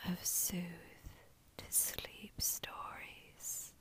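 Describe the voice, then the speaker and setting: A woman host softly whispering a slow, soothing Christian sleep meditation into a condenser microphone. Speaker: podcast host. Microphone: USB condenser microphone.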